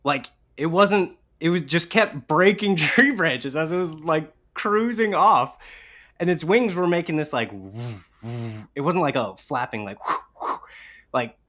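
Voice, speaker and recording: A man's voice: a little high, animated, unhurried, fairly bright tone. A man appearing as a talk show guest, telling anecdotes in a casual, conversational way.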